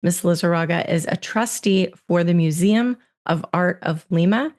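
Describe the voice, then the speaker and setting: A woman's voice: fairly low pitch, moderate pace, darkish tone. A woman hosting a business podcast, delivering an upbeat scripted intro and guest bio, then interviewing. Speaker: podcast host.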